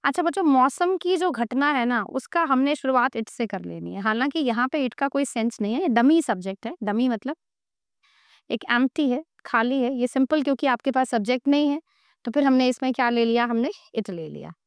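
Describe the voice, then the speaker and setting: A woman teaches English grammar to a class. Her voice sits high and sounds smooth and clear. It is recorded close and dry, with no room sound. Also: expressive, no echo. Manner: asks the class questions, then answers them slowly. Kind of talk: classroom-style grammar lesson.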